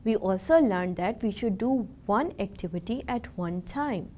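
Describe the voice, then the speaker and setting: Female teacher, scripted lesson, careful deliberate delivery. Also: mid-range voice, lively intonation, warm tone. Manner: slow, careful, sounding out words.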